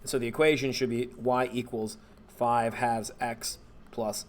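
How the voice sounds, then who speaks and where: A man, a math teacher, relaxed and thinking aloud as he walks through homework problems and corrects himself along the way. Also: medium pitch, unhurried, noisy background. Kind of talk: homework walkthrough screencast.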